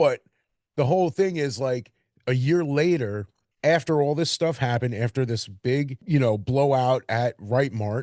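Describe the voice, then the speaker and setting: A man with a New York accent, fairly high-pitched, animated and lively in intonation, at a fairly slow pace, with a dry, close sound free of echo and a quiet background. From New York, Queens. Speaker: podcast host. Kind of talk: casual chat.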